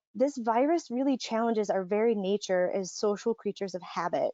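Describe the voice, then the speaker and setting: Ordinary pitch variation in a woman's voice pitched fairly high. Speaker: crisis services counselor and webinar presenter. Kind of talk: webinar presentation. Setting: video webinar. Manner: fast.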